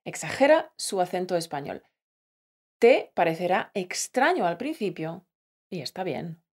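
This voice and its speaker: A woman's voice: lowish voice, sing-song, measured pace. A woman co-hosting a scripted teaching podcast, playful and affectionate with the listener. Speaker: podcast co-host, Spanish teacher.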